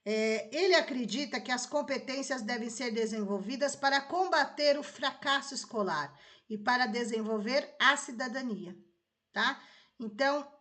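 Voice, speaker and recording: A woman's voice: on the high side, normal speed, a bit bright. A Brazilian woman teacher giving a conversational lesson, often checking that listeners follow along. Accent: Brazilian Portuguese. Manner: conversational, checks understanding with tags like "tá?" and "né?". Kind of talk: explanatory lesson.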